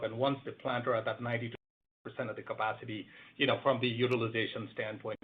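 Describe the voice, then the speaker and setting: A man answering analysts as an executive on an earnings call, measured and peppering his answers with "you know" and "right". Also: mid-range voice. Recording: tinny phone conference line with noise.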